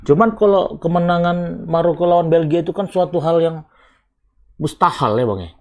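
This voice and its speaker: A man's voice: on the high side, normal speed. A man hosting a casual football chat, asking his guests questions and prompting them for answers. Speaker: show host.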